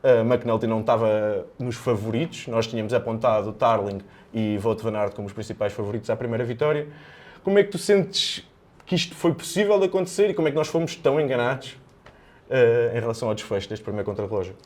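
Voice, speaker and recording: Man, European Portuguese accent, podcast host, quick pace, mid-pitched, conversational sports analysis. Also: expressive, a little mellow.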